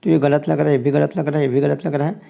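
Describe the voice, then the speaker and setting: Gravelly man teaching exam answers. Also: fairly high pitch, little pitch movement, fast, muffled recording. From Chhattisgarh, India. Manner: explains each answer step by step, repeating it. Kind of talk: exam question walkthrough lesson.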